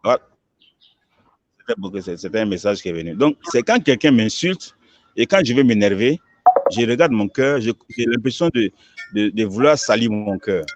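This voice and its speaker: Emphatic male imam, lively rising and falling delivery, dull lo-fi recording. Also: lowish voice, moderate pace, a little hiss or hum. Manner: emphatic, animated, repeats words as he builds a point. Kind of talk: interview answer, preaching.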